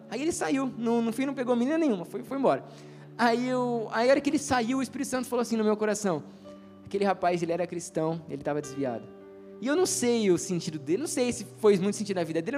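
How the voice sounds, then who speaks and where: A young man preaching a casual sermon, telling personal stories and acting out the dialogue. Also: high-pitched. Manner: storytelling, acts out dialogue, laughs at himself.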